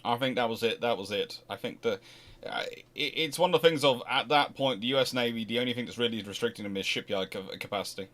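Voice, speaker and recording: A man's voice: mid-range voice, fast. Rambling man answering viewer questions. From Scotland. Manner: rambling, self-correcting, animated asides. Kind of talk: casual livestream Q&A.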